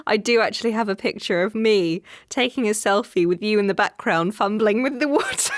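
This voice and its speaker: A woman chats playfully as a podcast guest and giggles often. Her voice moves lively through its pitch range, and the recording is dry and close. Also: moderate pace, no room sound. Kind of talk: casual podcast chat.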